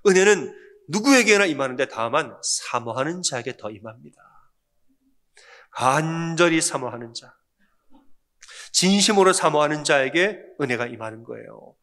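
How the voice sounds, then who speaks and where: Korean pastor with a higher-pitched voice. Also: male voice, expressive, normal speed, pauses often. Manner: asks the congregation questions and answers them himself; acts out quoted lines in a softer, lower voice. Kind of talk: Sunday sermon.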